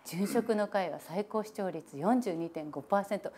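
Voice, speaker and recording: A woman hosting an interview at a guest's home, reacting brightly and asking quick follow-up questions. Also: mid-range voice. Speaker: host.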